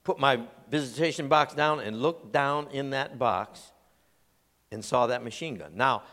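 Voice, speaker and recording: A man, preaching and telling a funny story with lively delivery. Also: mid-range voice, a little slow, big-room sound. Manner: animated storyteller, acts out voices and laughs. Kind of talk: humorous sermon illustration.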